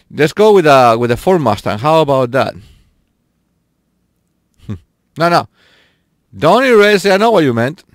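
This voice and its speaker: Male streamer, casual and chatty with viewers, slightly high voice, dry close sound. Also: dry recording. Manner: chatty, laughs often, talks straight to chat viewers. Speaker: live streamer. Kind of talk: casual live-stream chat while gaming.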